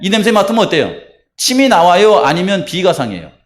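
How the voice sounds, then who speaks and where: Male pastor, animated pitch, fairly high voice, preaching and leading a baptism rite. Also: brisk. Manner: lively, asks the congregation questions and answers them himself. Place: church sanctuary.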